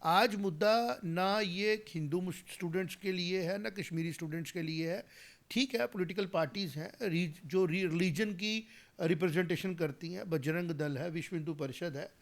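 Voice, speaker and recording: A high-pitched man in a political interview. He argues emphatically and drops English phrases into his talk. His voice climbs and turns heated as he presses his points. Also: moderate pace. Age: 40s. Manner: emphatic, rising to heated argument; mixes English phrases into speech. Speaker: guest commentator.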